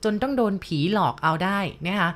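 A woman's voice: medium pitch, lively intonation, brisk. A woman narrating listener-sent ghost stories, polite and talking straight to her audience. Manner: polite, addresses listeners directly.

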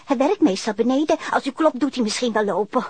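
A woman's voice: on the high side, animated, quick pace, darkish tone, husky, no room sound. A woman playing a chatty, eager, admiring neighbour in a radio drama. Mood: chatty, proud. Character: chatty, admiring female neighbour in apartment building.

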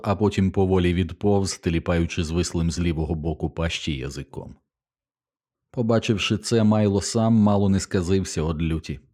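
Brief: male narrator, warm and fairly low, lively storytelling. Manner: vivid storytelling reading. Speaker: audiobook narrator. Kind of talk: scripted narration.

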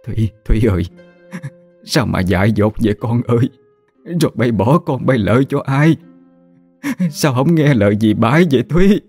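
A worn, tender old countrywoman, wailing a pleading lament, as a male storyteller puts her on. Her voice is slightly husky and sits a little higher than the teller's own, with soft music faintly behind. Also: moderate pace, pauses often. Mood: grief-stricken.

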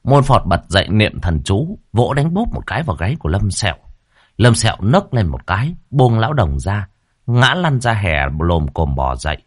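A man narrating a ghost story in a vivid, lively way. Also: on the low side, moderate pace, no echo, clean studio sound. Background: faint background music.

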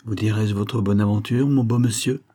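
A man's voice: on the low side, steady tone, normal speed, dark tone, lightly acted. A man voicing a defiant young gypsy woman who taunts and threatens with ominous prophecy, in an audiobook reading. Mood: taunting.

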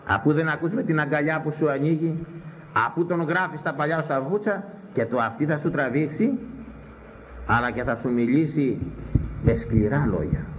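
A man's voice: fairly high pitch, a little hiss or hum, poor audio. A man preaching a sermon on scripture, stern and impassioned, firing off rhetorical questions at his listeners.

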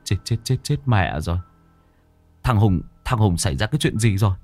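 A man voicing a panicked young boatman shouting frantic exclamations. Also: lowish voice, lively intonation, normal speed, faint music behind.

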